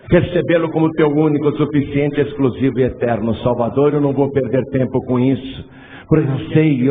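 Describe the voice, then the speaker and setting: A man with a Brazilian Portuguese accent, a pastor preaching a sermon in a church hall, telling stories with animation and building to fervent appeals. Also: mid-range voice. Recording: tinny lo-fi church recording with long reverb.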